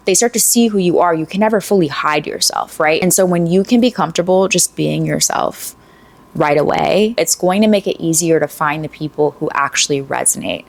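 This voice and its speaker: Casting: low-pitched woman vlogger, late 20s, earnest and chatty, voice wearing thin, dry close sound. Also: no room sound. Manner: relaxed and earnest, with frequent "like" and "right?". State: losing her voice. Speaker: lifestyle vlogger. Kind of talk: casual advice monologue to camera.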